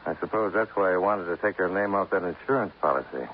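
An actor doing a blunt investigator who talks in short, dry, clipped lines in a fairly low voice. The sound is thin and tinny, with steady hiss like an old radio broadcast. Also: male voice, fast talker, natural voice. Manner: terse, dry, clipped questioning. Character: wisecracking male insurance investigator, dry and blunt. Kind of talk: 1950s radio drama acting.

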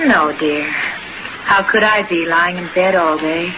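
On a dull, heavily noisy old radio recording, a woman acts a bedridden wife. She is gentle and plaintive, a long-suffering, wistful woman in a 1940s radio play. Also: lowish voice, measured pace, close to an everyday voice. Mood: resigned. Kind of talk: 1940s radio drama acting.

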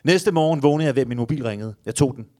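A man's voice: medium pitch, darkish tone. A man hosting a podcast, reading a story aloud with comic asides and frequent laughter. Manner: reads while laughing and joking. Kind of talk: comic read-aloud with banter.

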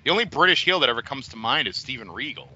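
A man co-hosting a podcast, jokey and quick with asides, in casual chat. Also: medium pitch, sing-song, bright, forceful tone, breathy edge, highs cut off. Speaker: podcast co-host. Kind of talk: casual chat about wrestling.

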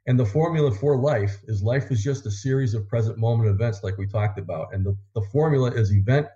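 A man who is a guest author, talking quickly and with enthusiasm about positivity and habits in a casual conversation. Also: medium pitch, dark tone, lo-fi sound. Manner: fast-talking, enthusiastic, motivational.

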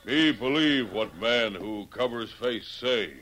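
An actor playing a proud Native American chief in a 1950s radio western, speaking slowly in halting broken English. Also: male voice, mid-range voice, expressive, fairly bright tone, poor audio. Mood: solemn, yielding. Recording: old radio broadcast recording.

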